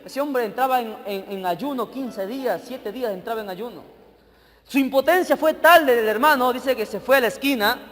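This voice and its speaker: A male preacher telling a story in a sermon. He swings dramatically between loud emphasis and hushed narration. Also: very high voice, normal speed. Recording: church hall with long reverb, faint music.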